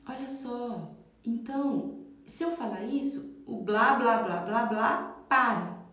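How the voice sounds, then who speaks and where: A woman in her thirties, a parenting educator, giving a lively instructional talk on a live stream and acting out yelling parents and children. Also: on the high side, slow, very echoey.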